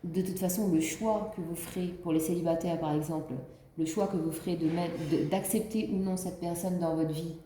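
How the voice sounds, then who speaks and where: Woman w/ the flu doing a card reading, lowish voice, lots of ums and restarts. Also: steady tone, normal speed, dark tone, roomy sound, slight background noise, low-quality recording. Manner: rambling, many fillers and restarts. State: has the flu. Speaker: card reader. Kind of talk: casual spiritual card reading.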